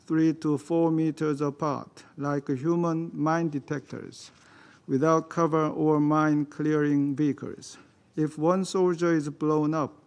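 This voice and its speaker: Man delivering a measured diplomatic statement. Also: a little high, a little mellow. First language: Korean. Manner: measured, deliberate reading with slight restarts. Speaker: UN Security Council delegate. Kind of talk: formal prepared diplomatic statement. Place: council chamber.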